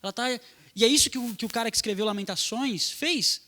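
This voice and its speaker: Bright-voiced young pastor preaching casually. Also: male voice, extremely high pitch, fast talker. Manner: casual slangy preaching, talks to youth. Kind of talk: sermon.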